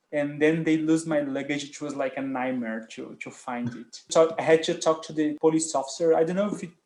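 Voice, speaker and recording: Speaking with a Portuguese accent at a fairly quick pace, this voice keeps a fairly even intonation, hardly any pauses, and big swings in loudness. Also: man, fairly high pitch for a man. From Brazil. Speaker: English teacher. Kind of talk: interview, casual conversation.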